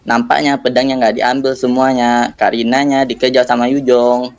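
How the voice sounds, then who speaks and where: A man's voice: medium pitch, flat delivery, normal speed, dry recording. A man with a speech impediment on his r sounds, commentating live on a game in a casual, chatty way. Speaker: esports caster, streamer.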